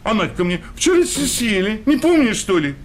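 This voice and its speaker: An actor playing a naive, grumbling, hard-drinking working-class husband in a comic radio play, with coarse, colloquial delivery. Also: male voice, high voice, big pitch swings, moderate pace, a little hiss or hum. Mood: grumbling, aggrieved.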